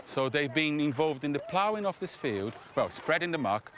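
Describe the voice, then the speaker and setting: A man, a teacher giving an animated outdoor lesson to children. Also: fairly high pitch, normal speed, a crowd in the background. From Brazil. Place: outdoors on a school field.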